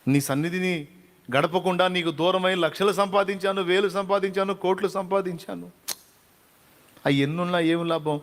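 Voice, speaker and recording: A man's voice: high voice, steady tone, a little fast, fairly bright tone, long reverb tail. A male preacher giving a devotional sermon, fervently pleading in prayer to God. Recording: clear background music under the voice.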